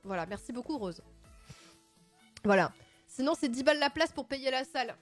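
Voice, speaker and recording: A playful woman with a high voice hosts a casual livestream, chatting loosely and breaking into excited outbursts. Faint music plays under her voice. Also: normal speed. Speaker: livestream host.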